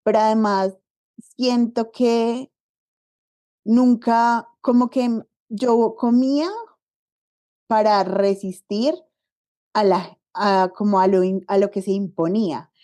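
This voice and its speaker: A woman, a guest on a podcast, telling personal stories in a lively way and acting out past conversations. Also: medium pitch, takes it slowly, pauses often. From Colombia. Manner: animated storytelling, acts out quoted dialogue. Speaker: podcast guest, body diversity activist. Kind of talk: casual conversational interview.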